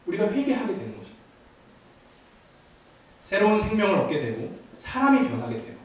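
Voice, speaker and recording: A man's voice: high voice, very animated, fairly quick. A man in his thirties preaching a youth sermon, telling a family story with asides to the congregation. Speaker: youth ministry pastor. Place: church sanctuary. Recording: echoey church from far off.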